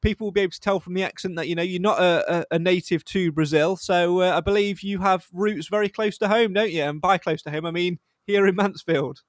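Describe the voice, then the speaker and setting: A man's voice: high-pitched, steady tone, brisk, few pauses, dry recording. A man hosting a live fan podcast in a chatty, self-deprecating way, with frequent fillers. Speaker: podcast host.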